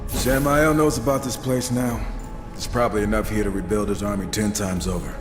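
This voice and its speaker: A man's voice: fairly low pitch, steady tone, fairly quick, natural voice. An actor playing an irreverent, sardonic gunslinger horseman in a game cutscene, talking with casual, cocky sarcasm. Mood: wry. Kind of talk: video game cutscene acting. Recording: long reverb with faint music.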